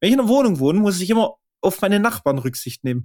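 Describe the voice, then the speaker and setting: Very clean recording of a male voice against a silent background. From Swabia, southern Germany (Baden-Württemberg), village. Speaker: podcast co-host. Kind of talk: casual chat.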